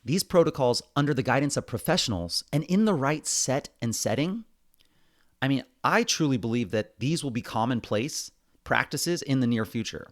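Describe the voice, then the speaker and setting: An American man with a medium-pitched voice hosts a solo podcast. He talks earnestly and conversationally, partly following prepared notes and addressing his listeners directly. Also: expressive, normal speed. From United States. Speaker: podcast host. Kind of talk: semi-scripted solo podcast narration.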